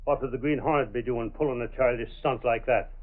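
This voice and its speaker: An actor in a 1930s radio drama playing a gruff, dismissive police sergeant who barks orders. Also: male voice, mid-range voice, steady tone, brisk, lightly acted. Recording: tinny old radio recording.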